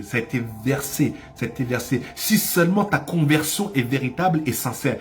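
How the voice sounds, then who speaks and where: A male pastor with a middle-pitched voice preaches a fervent sermon that moves from calm teaching to loud, urgent cries. He repeats phrases again and again to hammer his points home, while faint music plays underneath.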